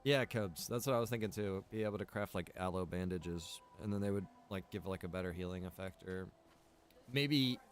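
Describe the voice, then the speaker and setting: A man's voice: low voice, brisk, slight background noise. A man chatting casually while streaming a game, informal and slangy, with some swearing. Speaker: streamer and game server developer.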